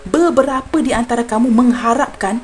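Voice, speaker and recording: A woman's voice: fairly high pitch, brisk. A young woman from Malaysia with a Malaysian Malay accent, giving a general tarot reading to her viewers in an earnest, apologetic way. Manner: earnest and apologetic, addresses viewers warmly as friends. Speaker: tarot reader.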